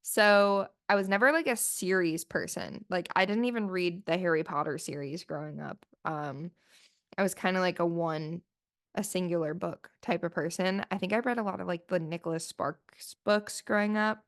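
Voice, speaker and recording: Solo podcast host, woman, chatty and rambling, smooth voice, a bit sniffly after the flu. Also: on the low side, moderate pace. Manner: chatty, rambling, lots of "like" fillers. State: sniffly, voice still recovering from flu. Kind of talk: casual solo podcast chat.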